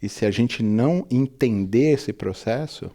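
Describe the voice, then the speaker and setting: A man's voice: medium pitch, expressive, measured pace, warm tone. A Brazilian man, a pastor, talking reflectively on a Christian talk show and building his points through long lists. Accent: Brazilian Portuguese. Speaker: pastor and guest.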